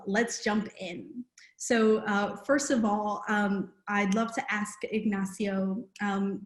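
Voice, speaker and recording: Young woman, panel moderator, upbeat, filler-heavy, roomy video-call sound. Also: medium pitch. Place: small room at home.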